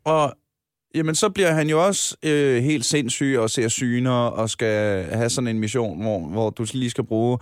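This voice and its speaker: A man's voice: mid-range voice, smooth, no echo, studio quality. A man co-hosting a casual podcast about video games, talking in a hesitant way with many restarts. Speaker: podcast co-host.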